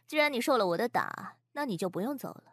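A woman's voice: a little high, expressive, fast talker, breathy edge. A woman playing a haughty, hot-tempered rich young mistress who scolds imperiously in a Chinese audio drama. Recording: music bed behind the voice.

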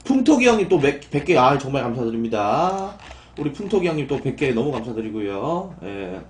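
A young man chatting casually on his live stream, reading messages and answering his viewers with quick complaints that turn exasperated. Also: mid-range voice, very animated, roomy sound, slight background noise. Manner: talks back to chat, rising into exasperated outbursts.

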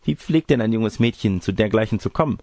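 A man's voice: lowish voice, lively intonation, fairly quick, a little mellow, no echo, voice pushed up. A man voicing a lecherous wolf-sorcerer who poses as a grandmother in a storybook tale, by turns testy, wheedling and smug. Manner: wheedling, boastful, crude. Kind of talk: storybook character reading.

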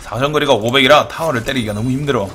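A man giving casual, jokey commentary on a game replay, mock-dramatic, swinging between excited shouts and low mutters. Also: rapid-fire, faint music behind.

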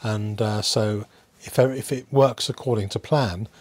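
A man hosting a hobby video in a casual, unscripted way, musing aloud with hesitant pauses. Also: fairly low pitch, steady tone, no echo. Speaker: host of a coin collecting channel.

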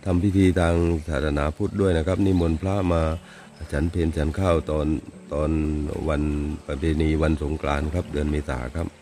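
A man's voice: very deep voice, fairly even intonation, moderate pace, warm tone, a little hiss or hum. A man working as a local guide, explaining the cave to a visitor outdoors in a hesitant way, with many fillers and agreeable replies. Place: outdoors at a cave mouth by a stream.

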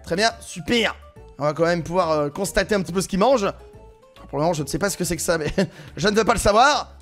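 A man with a French accent giving excited gameplay commentary, exclaiming and laughing often as he plays. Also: sits high, quick pace, faint music behind. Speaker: gaming YouTuber.

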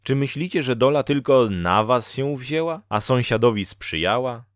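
A man's voice: mid-range voice, lively intonation, normal speed, no echo, studio quality, voice pushed up, close to an everyday voice. A man voicing Dola, a female spirit of fate who scolds a lazy farmer in a storybook reading, with lecturing, reproachful delivery. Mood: scolding.

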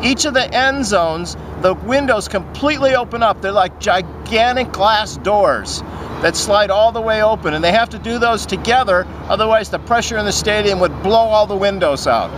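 A man's voice: high-pitched, lively intonation, moderate pace. A middle-aged man talking loosely to camera outside a stadium, with many restarts. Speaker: company host. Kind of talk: casual on-location talk to camera. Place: outdoors in front of a stadium. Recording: noisy outdoor recording, slightly distant mic.

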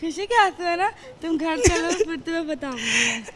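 Woman playing a bossy bride, very high bright voice, ordering and threatening. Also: lively intonation, normal speed. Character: bossy young bride, ordering her groom. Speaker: contestant. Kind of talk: improvised comedy sketch.

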